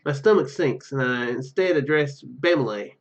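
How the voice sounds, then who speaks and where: A man's voice: mid-range voice, lively intonation, measured pace. A man reading a game's narration aloud and adding casual commentary as a gaming video host, on a slightly lo-fi microphone.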